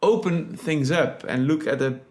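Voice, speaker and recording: A male podcast host with a slightly higher voice for a man. He leads a casual interview with curious questions and often pauses to search for his words. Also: a little mellow.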